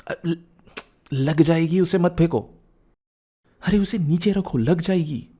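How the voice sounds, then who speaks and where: A man's voice: fairly high pitch, takes it slowly, warm tone, slightly rough. A young man playing a teasing, playful and cheekily bossy young husband who gets flustered, in a boyfriend ASMR roleplay, mixing in some English. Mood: panicked, pleading. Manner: teasing, repeats words, mixes in English.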